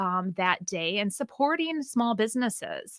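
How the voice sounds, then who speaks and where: Loud and bright, sharp in tone, a woman speaks at a fairly slow pace with a fairly high pitch and lively intonation in a dry, close sound with no echo. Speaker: podcast host, small business owner. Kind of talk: casual chat. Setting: home recording, one shared microphone.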